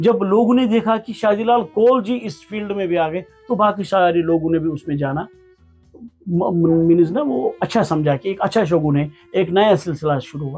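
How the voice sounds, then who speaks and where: A man speaks at a high pitch with lively intonation. There is music in the background. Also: moderate pace. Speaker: theatre actor. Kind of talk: interview.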